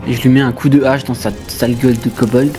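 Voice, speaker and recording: A man's voice: medium pitch, little pitch movement, fast, over music. A man playing a tabletop role-playing game, joking casually with crude, mock-dramatic banter.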